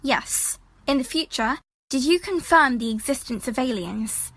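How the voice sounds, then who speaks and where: An earnest young woman acted by a woman with a high, bright voice. She sounds determined and plain-spoken in audio drama dialogue, with a dry recording. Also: animated, a little slow, no echo, exaggerated voice.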